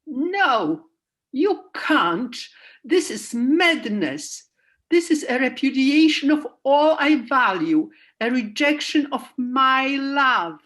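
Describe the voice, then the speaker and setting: Woman acting slow-spoken, anguished old Jewish mother. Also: high-pitched, expressive, fairly bright tone, exaggerated voice. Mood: anguished, pleading. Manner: slow, emphatic pleading and admonishing. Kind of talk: radio play acting.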